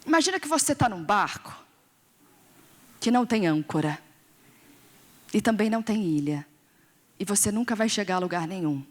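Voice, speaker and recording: A woman's voice: medium pitch, lively intonation, moderate pace, long pauses, long reverb tail. A woman with a Brazilian Portuguese accent preaching a sermon, questioning her audience and acting out voices.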